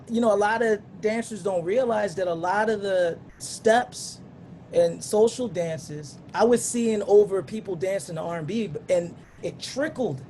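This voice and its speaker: A man's voice: high voice, darkish tone, slight background noise. A middle-aged man on a dance panel, talking in a loose, conversational way with many restarts and asides. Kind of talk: casual panel discussion.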